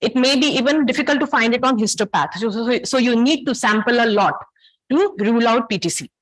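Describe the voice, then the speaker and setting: A woman's voice: on the high side, expressive, a little fast, poor audio. A woman with a South Asian accent giving an interactive academic lecture as a medical teacher, in a didactic manner that puts questions to her listeners.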